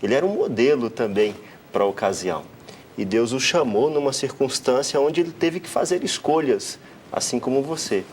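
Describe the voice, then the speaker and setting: A Brazilian man preaching like a pastor, with lively, sermon-like emphasis. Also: mid-range voice, moderate pace, a little hiss or hum. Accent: Brazilian Portuguese. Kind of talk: preaching on a talk show.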